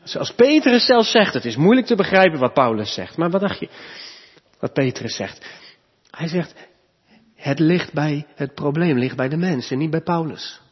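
Emphatic Dutch pastor in a church. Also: male voice, on the high side, animated, moderate pace, husky, big-room sound, muffled recording. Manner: emphatic, rising and louder on key points. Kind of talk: sermon.

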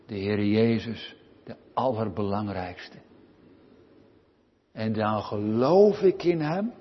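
A man preaching a sermon, earnestly questioning his listeners and rising from quiet to loud pleading. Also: medium pitch. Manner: addresses listeners with direct questions. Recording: lo-fi recording with long church reverb.

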